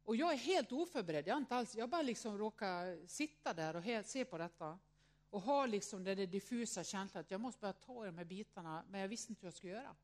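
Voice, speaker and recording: A woman's voice: mid-range voice, lively intonation. A woman around sixty tells a personal story to an audience, earnest and reflective, often filling her speech with little hesitation words. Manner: acts out quoted voices in her story.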